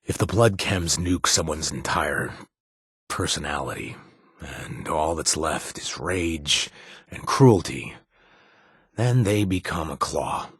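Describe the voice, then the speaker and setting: A deep, husky sardonic wasteland guy. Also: expressive, slow pace, fairly bright tone, no echo, exaggerated voice. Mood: wry. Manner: dry, sarcastic humor with frequent "uh" hesitations. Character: wry, sardonic wasteland man worried for his brother. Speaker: wasteland ally and bartender. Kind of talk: video game voice lines.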